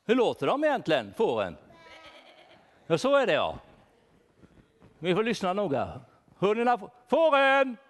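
A worried shepherd, as a man plays him in a church, asks the children one question after another and calls out names. His voice sits high for a man and swoops up and down with plenty of animation. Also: huge pitch swings, pauses often. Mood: searching, playful. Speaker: children's talk leader. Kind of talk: playful role-play for children.

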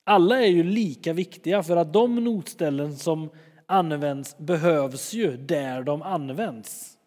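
A man preaching a sermon in a lively, chatty way, retelling stories and acting out scenes. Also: fairly high pitch, big-room sound. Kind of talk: sermon, storytelling.

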